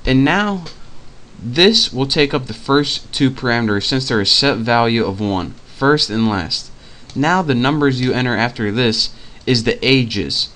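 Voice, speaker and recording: A man casually teaching a programming screencast in a loose, chatty way, with fillers and quick self-corrections. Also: medium pitch, animated, sharp tone. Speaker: programming tutor.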